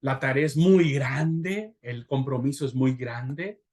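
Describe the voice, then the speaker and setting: A man with a Rioplatense Spanish accent, a pastor teaching a Bible class in a lively way, often asking "right?" and acting out the voices he quotes. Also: mid-range voice, takes it slowly.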